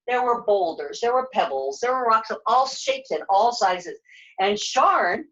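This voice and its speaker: A woman puppeteer telling a children's puppet-show story as its narrator. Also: medium pitch. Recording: dull lo-fi sound.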